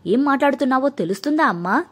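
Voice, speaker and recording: A woman voicing an earnest, injured young married man who pleads gently but firmly. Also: high-pitched, expressive, fast talker. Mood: pleading, firm. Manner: pleading, firm.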